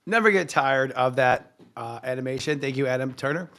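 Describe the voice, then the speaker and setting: A man with a hoarse voice, hosting a live astrology show in a chatty way, with frequent fillers and self-corrections. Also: mid-range voice, fairly quick, fairly bright tone.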